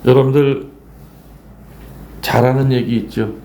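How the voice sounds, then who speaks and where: A man's voice: medium pitch, level tone, unhurried, warm tone, a little hiss or hum. An older man, a Catholic priest, giving a playful sermon, teasing the congregation and acting out voices in a folk story. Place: church. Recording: echoey church room, faint ambience.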